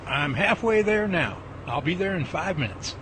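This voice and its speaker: A man acts out an eager, jittery male field researcher in a homemade radio drama. His voice sits on the high side and swings with folksy wonder. A clear layer of noise runs under the recording. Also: sing-song, moderate pace. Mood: urgent. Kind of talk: amateur radio drama acting. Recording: noisy track with ambient rumble.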